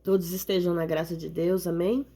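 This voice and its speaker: A hoarse woman, giving an earnest devotional talk and reading the Bible aloud. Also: on the low side, flat delivery, normal speed, dark tone. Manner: earnest, repetitive exhortation with tag questions. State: hoarse from a cold. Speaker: lay preacher.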